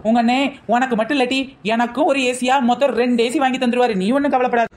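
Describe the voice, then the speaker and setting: A woman voicing a sharp-tongued housewife in a cartoon comedy, snapping back at her husband with sarcastic retorts. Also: fairly high pitch, steady tone, fast talker, lightly acted.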